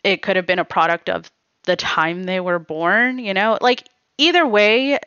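A woman's voice: mid-range voice, normal speed, fairly bright tone, clear, resonant tone, dry recording, muffled recording. A woman in a casual interview, talking reflectively about her family and peppering her speech with "you know" and "like.". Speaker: guest. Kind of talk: casual personal conversation.

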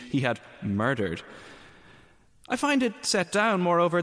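Man acting a pompous, murderous gentleman scholar, swooping intonation. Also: a little high. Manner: pompous, formal, deliberate. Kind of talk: audio drama monologue, reading a written confession. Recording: long reverb with music.

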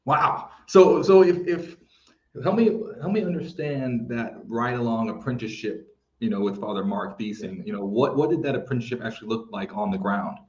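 A man's voice: mid-range voice, moderate pace, darkish tone. Male interviewer, curious and encouraging, echoey room, slightly dull sound. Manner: curious, encouraging follow-up questions. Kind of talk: conversational interview.

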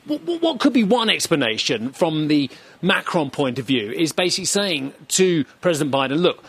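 A man reporting live as an energy correspondent, explaining with rhetorical questions in a brisk way. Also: a little high, big pitch swings, fairly bright tone, breathy edge.

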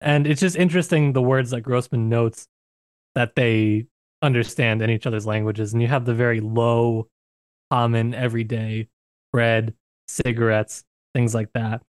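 A man's voice: mid-range voice, fairly even intonation, normal speed, smooth, no room sound. A man co-hosting a book discussion podcast, talking in a thoughtful, searching way with frequent restarts. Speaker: podcast co-host.

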